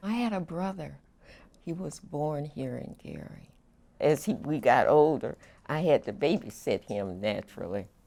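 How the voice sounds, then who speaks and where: A woman's very deep, low voice with vocal fry and a dark, mellow tone, at a fairly slow pace, in a very clean recording against a silent background. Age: 80s+. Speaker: oral history interviewee. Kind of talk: personal storytelling.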